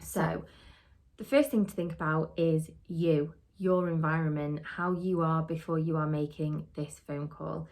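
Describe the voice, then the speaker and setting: Woman, middle-aged, low voice, earnest trainer, steady podcast lesson, rhetorical questions. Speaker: social work trainer. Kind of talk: podcast teaching talk.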